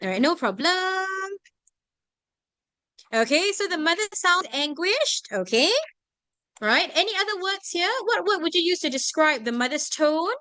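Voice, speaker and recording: A woman's voice: very high-pitched, measured pace, dry recording. A woman tutor with a Singaporean English accent, running an online revision class and checking in with her students after nearly every point. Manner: animated, constantly checking in with "right?" and "okay?". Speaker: tuition teacher.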